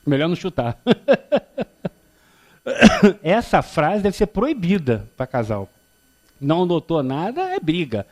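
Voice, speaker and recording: Carioca guy in his 50s giving a spiritist talk, voice kinda high, swings up and down a lot, jokey storyteller. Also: takes it slowly, long pauses. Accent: Carioca Brazilian Portuguese. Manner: animated, joking storyteller who acts out dialogue. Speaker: spiritist lecturer. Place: lecture hall before an audience.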